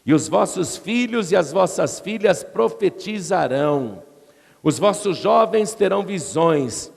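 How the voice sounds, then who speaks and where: A dark-toned, gravelly man's voice moves unhurriedly and expressively through an expository sermon. This pastor has a Brazilian Portuguese accent and retells scripture dramatically, his pitch climbing as he performs the voices of the crowd. A large hall adds a long reverb.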